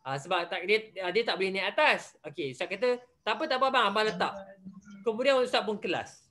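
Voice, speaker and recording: Animated Malaysian male religious teacher. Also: sits high, fast talker. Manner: animated, quizzes his pupils. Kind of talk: online class storytelling. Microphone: video call.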